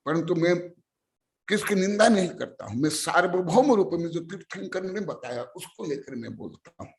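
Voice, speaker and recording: A man's voice: sits high, expressive, normal speed, gravelly. A man giving a sermon on scripture in an emphatic, scolding, lecturing manner.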